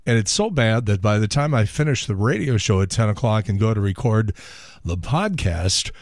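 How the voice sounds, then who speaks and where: Hoarse man with a dry wit. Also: on the low side, lively intonation, moderate pace, no echo. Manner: wry, sarcastic, rambling asides. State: hoarse from laryngitis. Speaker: radio and podcast host. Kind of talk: casual comic monologue.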